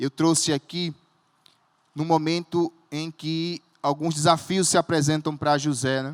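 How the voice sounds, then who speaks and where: Speaking in a northeastern Brazilian accent, a man with a fairly high pitch talks at a fairly slow pace with long, frequent pauses and monotone, flat intonation. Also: dry, close sound with no echo. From Alagoas, northeastern Brazil. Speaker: pastor. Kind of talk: sermon.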